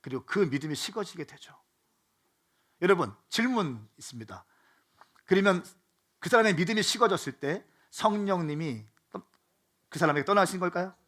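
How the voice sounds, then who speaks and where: Male pastor, middle-aged, high bright voice, fervent sermon delivery that rises from soft pleading to loud calls. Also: animated. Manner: builds from quiet, slow pleading to loud, fervent exhortation.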